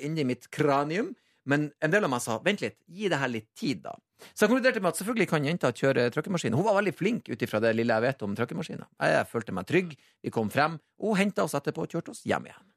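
A man's voice: a little high, big pitch swings, no room sound, studio quality. A man hosting morning radio, telling a story with lots of life and acting out sounds and his own thoughts. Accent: Norwegian. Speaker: radio show host.

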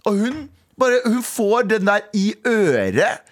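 A young man co-hosting a radio talk show tells a story in loose, casual chat. His voice sits a little high, and he acts out the people in his story with sudden leaps in pitch. He is recorded on a studio microphone. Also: very animated.

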